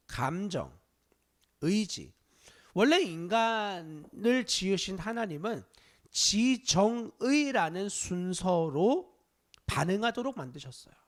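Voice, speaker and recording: A male pastor preaching a Wednesday service sermon to his congregation, stressing points loudly, dropping to hushed asides, and asking rhetorical questions. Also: sits high. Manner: emphatic preaching, swinging between loud stress and hushed asides. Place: church sanctuary.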